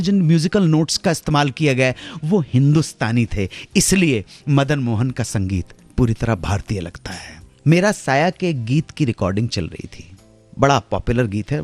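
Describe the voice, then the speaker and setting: A middle-aged man hosting a radio show, telling stories in a dramatic way that swings from hushed asides to loud exclamations. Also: fairly high pitch. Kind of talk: storytelling radio narration. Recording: radio broadcast with faint music underneath.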